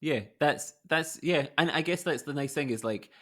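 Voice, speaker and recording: A young man with a fairly bright, higher-pitched voice speaks at normal speed. He hosts a conservation podcast and asks questions in a rambling, casual chat full of restarts.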